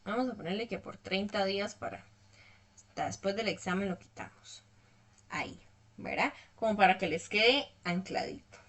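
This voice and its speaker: A woman's voice: mid-range voice, lively intonation, normal speed, fairly bright tone. A woman teaching an online English lesson, explaining patiently step by step and checking in often with her students.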